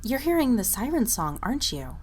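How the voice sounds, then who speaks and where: An actress playing an intense, defensive and protective young waitress in an audio drama, speaking bluntly and insistently. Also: female voice, fairly high pitch, very animated, fairly quick, a little mellow, a little hiss or hum. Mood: concerned. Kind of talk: animated audio drama acting.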